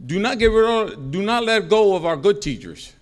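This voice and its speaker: This middle-aged man's public comment at a school board meeting is rambling and repetitive, and he becomes increasingly heated at the podium microphone. He speaks at normal speed in a high, expressive voice.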